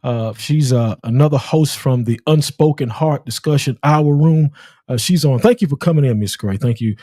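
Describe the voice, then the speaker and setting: A man's voice: medium pitch, moderate pace, dark tone, no echo, clean studio sound. A man hosting a casual live-streamed show, effusive and often repeating his own phrases. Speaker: call-in show host.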